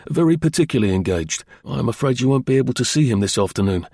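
A man's voice: medium pitch, expressive, fast, dark tone, breathy edge, no echo, studio quality. Man as a firm, polite office draftsman. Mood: politely firm. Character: polite, firm male draftsman turning away a caller.

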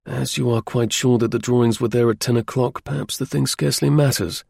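A man voicing a calm, probing investigator in a storybook, with a measured, inquisitive and businesslike manner. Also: mid-range voice, vocal fry, slightly rough, no room sound, clean studio sound.

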